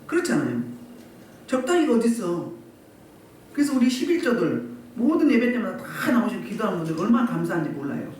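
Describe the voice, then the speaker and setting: A woman's voice: mid-range voice, big pitch swings, fairly quick, darkish tone, slight background noise. Woman pastor preaching in an echoey hall. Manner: repeated rhetorical questions to the congregation. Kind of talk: sermon. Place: church sanctuary. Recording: echoey room from far off.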